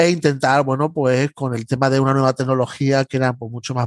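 Dry, close sound with no echo on a man's medium-pitched voice, moderate in pace and monotone, flat in intonation. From Andalusia, Spain (Seville, Córdoba). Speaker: finance professor. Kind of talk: interview.

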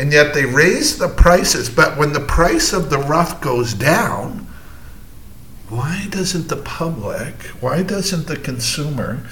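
Fairly high in pitch, a man speaks at a fairly slow pace with very wide pitch swings. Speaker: podcast host. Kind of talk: angry rant. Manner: indignant, worked-up, sarcastic; talks over co-host, jokey, bickering.

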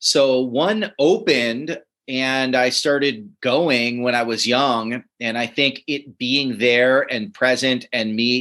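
This voice carries a Michigan accent. Its tone is bright and sharp. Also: man. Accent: Michigan American. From US Midwest (Detroit area). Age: 40s. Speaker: sketch comedy writer and teacher. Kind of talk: casual interview.

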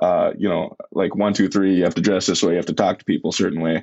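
A man speaks with an Upper Midwest accent. His pitch is fairly low. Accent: Upper Midwest American. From North Dakota. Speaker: agricultural student and intern. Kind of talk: podcast interview.

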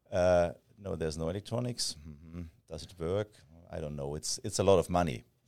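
Here a man with a German accent talks at a fairly quick pace in a very deep, low pitch and a dark, mellow tone. His loudness swings widely. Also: ordinary pitch variation. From Germany. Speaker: motorcycle enthusiast. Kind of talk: casual chat.

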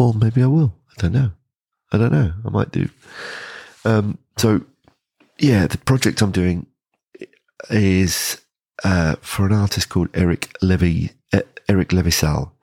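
Quiet and very even in loudness, a man with a British accent speaks fairly slowly in a fairly low pitch, his tone dark and mellow and his intonation lively. Long, frequent pauses break up his speech, and the sound is dry and close with no echo. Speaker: session musician. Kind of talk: casual vlog monologue. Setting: hotel room. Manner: talking quietly.

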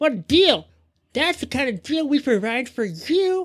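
The voice is a put-on character voice. Its pitch sits high. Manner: pushy sales pitch.

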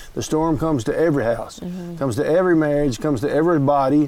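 Delivered at a very fast pace, the voice has a dark, mellow tone and ordinary pitch variation. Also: man. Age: 70s. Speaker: preacher. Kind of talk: Bible teaching. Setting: outdoors at a lake.

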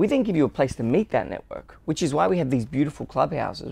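A man speaks at a fairly quick pace with an Australian accent. The background is quiet. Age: 20s. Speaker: business owner. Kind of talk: interview.

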